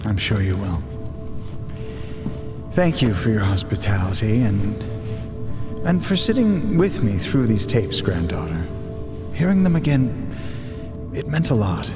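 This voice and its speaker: A gentle, reflective chronicler in a podcast drama. He talks slowly and haltingly, wistful and polite, in a long reverberant space with music underneath. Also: fairly low pitch, sing-song. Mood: grateful, nostalgic. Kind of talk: fiction podcast character acting.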